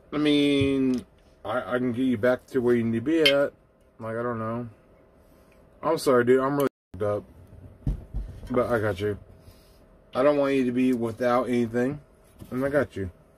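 A mumbling man at a moderate pace, fairly even intonation, long, frequent pauses, light background noise. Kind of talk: casual vlog chat. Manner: drunk, slurred, apologetic mumble. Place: home room. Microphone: phone near.

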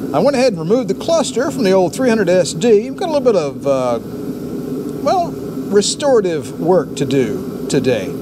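Loud background noise fills the clip. Through it, a man speaks. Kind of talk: tutorial. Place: garage.

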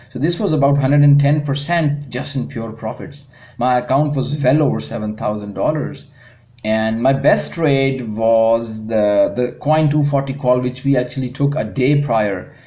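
At a moderate pace, a man talks with a medium pitch, ordinary pitch variation, a somewhat breathy quality and a dark, mellow tone. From Pakistan. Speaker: retail trader giving testimonial. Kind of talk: testimonial walkthrough of a screen demo.

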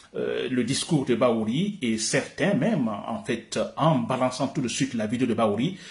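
Somewhat breathy, a man talks at a very slow pace with audible room echo. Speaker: political commentator. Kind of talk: commentary.

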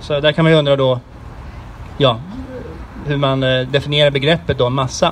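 There is light background noise. A man talks at a moderate pace in a normal speaking voice, fairly high in pitch with fairly even intonation. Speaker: rally speaker. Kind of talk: public speech. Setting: outdoors. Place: street.

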